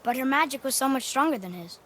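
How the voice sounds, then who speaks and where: High-voiced curious boy. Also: animated, fast talker, sharp tone, a little hiss or hum, full character voice. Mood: sympathetic. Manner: inquisitive, plain-spoken, youthful. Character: curious, outspoken young boy travelling with his elders. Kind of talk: video game character dialogue.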